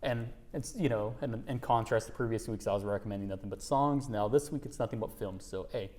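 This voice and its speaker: A man's voice: lowish voice, a little fast, darkish tone. A young man hosting an interview, upbeat and laid-back, with lots of fillers. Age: young adult. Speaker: host. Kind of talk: casual interview chat.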